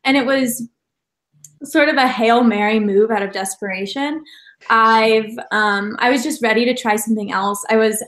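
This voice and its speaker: A woman's voice: fairly high pitch, moderate pace, a bit bright, echoey room. A teenage girl from Denver, chatty and often laughing as she tells her story on a video call. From Denver, Colorado. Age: teens. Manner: chatty, laughs between phrases. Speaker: alumna and high school student. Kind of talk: casual remote video call.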